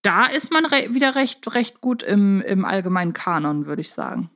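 A woman's voice: medium pitch, big pitch swings, normal speed, a bit bright. Woman co-hosting a casual podcast. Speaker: podcast co-host.

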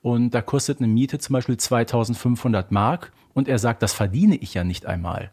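Man co-hosting, slightly husky voice. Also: medium pitch, moderate pace, darkish tone. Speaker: podcast co-host. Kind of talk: casual analytical podcast conversation about a children's audio drama series.

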